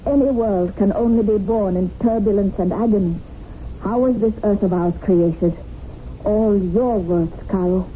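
A woman's voice: medium pitch, a little slow, close to an everyday voice. An actress playing a fervent, unyielding woman revolutionary in a radio drama, speaking in an earnest, insistent, rhetorical way. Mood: fervent, persuading. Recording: narrow-band, noisy old radio broadcast.

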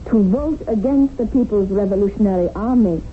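A woman's voice: mid-range voice, fairly quick, close to an everyday voice. An actress playing a stern, coldly righteous female revolutionary in a 1970s radio drama, severe and dogmatic in her delivery. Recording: muffled, noisy 1970s radio broadcast.

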